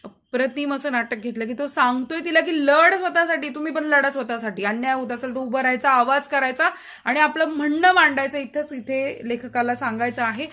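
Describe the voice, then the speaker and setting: A woman's voice: high voice, a little fast, bright, forceful tone. A woman teacher who reads a play aloud and explains it to her students. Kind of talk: lesson reading and explaining a play.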